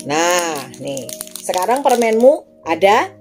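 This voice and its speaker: A woman's voice: fairly low pitch, very animated, takes it slowly, darkish tone, soft background music. A woman voicing a kindly, fussing man who coaxes a crying child, repeating his exclamations in a flustered way. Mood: coaxing.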